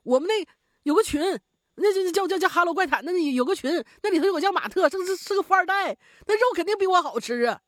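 This is a storytelling voice for a frightened working man, acted by a female narrator. He stutters and rushes his pleas. His voice jumps around a lot, and the recording is close and dry. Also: sits high, sing-song, dry recording. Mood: panicked. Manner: stammering, rushed, pleading. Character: panicky stammering man, frightened worker.

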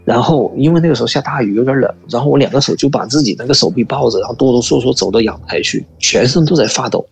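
A man calling in to tell a personal ghost story, talking in a halting, earnest way and often repeating words. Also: medium pitch, vocal fry, slightly rough, poor audio. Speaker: caller.

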